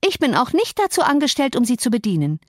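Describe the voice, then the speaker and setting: A woman's voice: high voice, wildly swooping pitch, quick pace, no echo, clean studio sound, pitched above the performer's own voice, heavily acted. A woman voicing a blunt, plain-spoken farm maid in an audiobook, firm and matter-of-fact.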